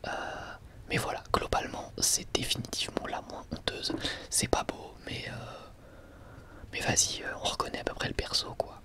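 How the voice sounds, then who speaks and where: Soft ASMR whisperer. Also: normal speed. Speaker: ASMR video host. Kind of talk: whispered ASMR product presentation.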